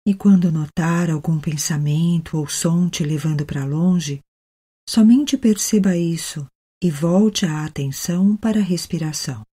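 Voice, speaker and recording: A Brazilian woman leading a guided meditation, speaking gently and soothingly with long pauses. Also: lowish voice, husky.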